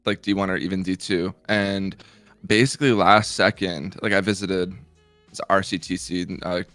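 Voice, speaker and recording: A young man in his twenties with a slight Minnesota accent and a lower voice that still sounds bright and forceful. He is friendly and chatty and laughs easily as a podcast guest. The recording is dry and close. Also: steady tone, normal speed, dry recording, faint music behind. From Iowa, United States. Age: 20s. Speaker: guest, content creator. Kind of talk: casual interview chat.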